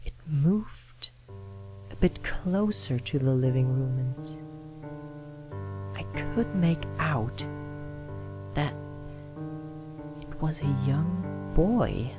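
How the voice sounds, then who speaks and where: A woman narrating a first-person scary story in a dramatic, deliberate manner with suspenseful pauses. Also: low voice, animated, low-quality recording. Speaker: horror story reader. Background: background music.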